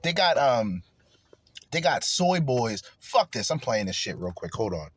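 A man's voice: mid-range voice, sing-song, a little slow, husky, no room sound. A man hosting a podcast, ranting crudely and angrily in heated commentary. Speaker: podcast host.

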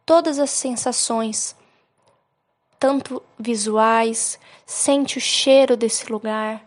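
A woman with a Brazilian accent narrating a guided relaxation hypnosis like a sleep story, soothing and unhurried, giving gentle instructions with pauses. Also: a little high, dry recording.

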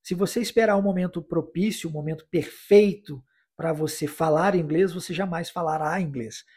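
A man from Brazil teaching English in a podcast lesson, explaining phrases and then repeating the English lines slowly for listeners to practise. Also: a little high, a little mellow, breathy edge. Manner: encouraging, with tag questions like "né?" and "tá?".

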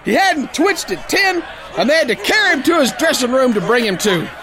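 An actor playing a rough, big-hearted sailor boxer, telling his tale in folksy, ungrammatical slang as theatrical radio-play narration. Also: extremely high pitch, big pitch swings, fairly quick, crowd noise, background noise, full character voice. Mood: boastful. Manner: folksy, ungrammatical yarn-spinning. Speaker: first-person narrator.

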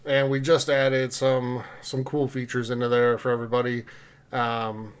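A man's voice: medium pitch, completely flat delivery, normal speed, clear, resonant tone. A man hosting a gaming podcast, speaking in live-streamed audio with a chatty manner full of fillers and restarts. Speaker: podcast host. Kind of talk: casual gaming chat and show plugs.

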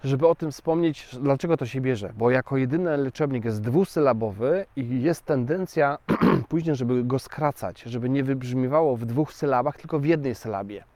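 A man's voice: medium pitch, a little mellow, dry recording. A man teaching in a chatty, explanatory way, talking directly to his viewers. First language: Polish. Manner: chatty, addresses viewers directly, slow and deliberate. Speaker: language teacher. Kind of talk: casual explanatory lesson.

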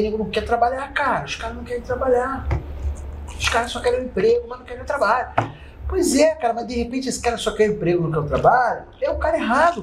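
A man with a fairly high voice talking animatedly in a casual podcast chat. He works as a consultant and keeps things jokey, laughing easily. Faint noise sits under his voice. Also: low-quality recording. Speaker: restaurant consultant.

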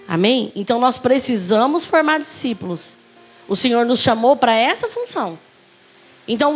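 A woman with a Brazilian Portuguese accent preaching a sermon, full of rhetorical questions and lively personal stories. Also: high-pitched, breathy edge.

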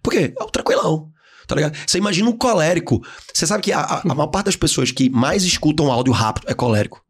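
A Brazilian man guesting on a podcast, talking in slangy casual chat and acting out the people he describes in sudden high voices. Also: animated, quick pace, husky. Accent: Brazilian Portuguese. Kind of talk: animated casual podcast talk. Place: podcast studio.

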